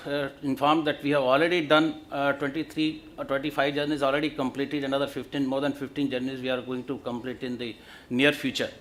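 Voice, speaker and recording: A man with an Indian accent giving a formal business presentation as a bank executive, in a halting, list-like delivery. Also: medium pitch, fairly bright tone.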